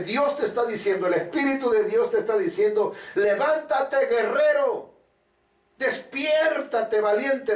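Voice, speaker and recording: A man preaching a sermon with fervent, repetitive emphasis, calling on the congregation to repeat after him. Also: high voice. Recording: echoey room, distant mic, faint music.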